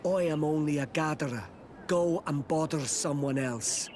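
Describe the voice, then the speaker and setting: An actor playing a guarded, curt tribal villager in a video game, with terse, formal, halting phrasing. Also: male voice, fairly high pitch, a little mellow, a little hiss or hum, lightly acted. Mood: irritated.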